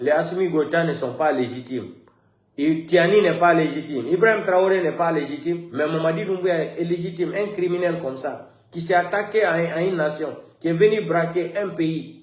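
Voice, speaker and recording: Over audible room echo, a man talks at a moderate pace and a high pitch with ordinary pitch variation. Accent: non-native. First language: not French (speaking French). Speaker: political commentator. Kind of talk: political commentary. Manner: animated.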